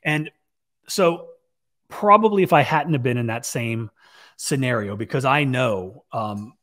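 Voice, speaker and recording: A man in his forties with a raspy voice, telling a story to camera in a casual, rambling way full of fillers and restarts, from a home office. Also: mid-range voice, unhurried, fairly bright tone. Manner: conversational, many fillers and restarts, gestures while talking. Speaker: business owner vlogger. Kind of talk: casual talking-head storytelling. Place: home office with shelves, indoors. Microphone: large podcast mic on boom arm.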